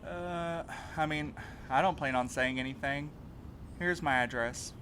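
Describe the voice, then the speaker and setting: A man's voice: on the high side, unhurried, pushed and bright, slight background noise. A man playing a weary, guarded, grieving mail carrier in an audio drama. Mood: reluctant, tired. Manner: reluctant, guarded, terse. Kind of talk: naturalistic audio drama dialogue.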